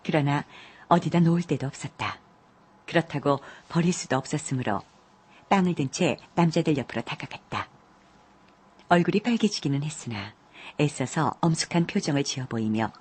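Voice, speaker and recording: A woman narrating a classic story audiobook in a measured, calm way, with a husky voice. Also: low-pitched.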